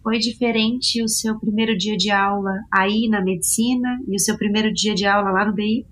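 A woman's voice: medium pitch, steady tone, moderate pace, fairly bright tone, rough recording. Woman interviewer asking a plain question.

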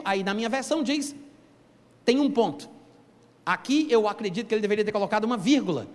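A man preaching a sermon, teaching from scripture in an animated, emphatic way and calling out to the congregation. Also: high-pitched. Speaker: pastor. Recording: long hall reverb.

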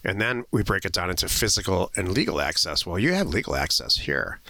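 A man's voice: low-pitched, sing-song, fairly quick, bright, forceful tone, no echo. An American man co-hosting a land investment show, explaining things in a casual, blunt, informal way. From western United States. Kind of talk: casual podcast talk and explanation.

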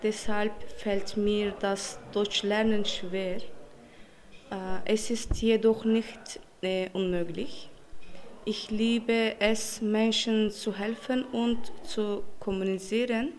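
A woman's voice: medium pitch, fairly even intonation, a little mellow. A young woman from Turkey with a Turkish accent, carefully reading a prepared statement as a language learner. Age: young adult. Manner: careful, deliberate learner speech.

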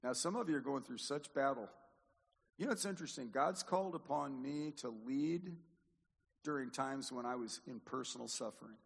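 A man's voice: mid-range voice, moderate pace, gravelly, slightly rough. An older man with an American accent preaching a charismatic sermon, exhorting in a folksy way and repeating phrases for emphasis. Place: large church or hall, live preaching. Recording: long echoing hall reverb.

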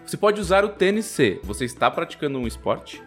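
A man's voice: fairly high pitch, very animated, brisk, soft background music. A man with a Brazilian accent in casual podcast banter, giving opinions in a teasing way. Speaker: podcast co-host.

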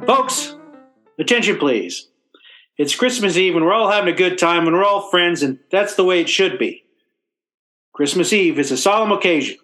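A man acts out a soft-hearted, blustering working-class guy from an old-time radio sitcom. The voice sits high and rings bright and forceful. The speech is colloquial and excitable. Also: moderate pace, faint music behind. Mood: earnest speechmaking.

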